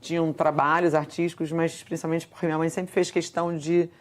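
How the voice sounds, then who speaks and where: Low-voiced reflective woman from Rio. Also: level tone. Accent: Brazilian Portuguese, Rio de Janeiro. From Brazil. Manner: reflective, measured, with many restarts. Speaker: guest, screenwriter and editor. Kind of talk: interview conversation. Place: television studio.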